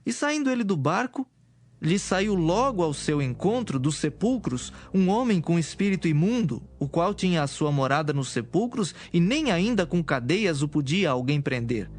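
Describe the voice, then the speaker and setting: A man reading scripted, dramatic narration for an audio Bible. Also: fairly high pitch. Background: music.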